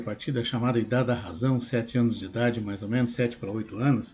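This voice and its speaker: Here a man speaks in a medium pitch. His voice is somewhat breathy. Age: 60s. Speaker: drawing teacher and furniture designer. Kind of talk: video lesson monologue. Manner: hesitant, many repetitions and fillers.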